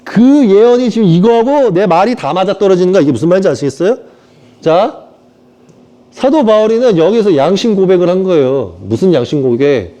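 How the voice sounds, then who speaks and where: A man's voice: high-pitched, animated, fairly quick, dark tone. A man lecturing on scripture who keeps asking his listeners whether they understand. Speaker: preacher. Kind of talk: scripture lecture with acted scenes.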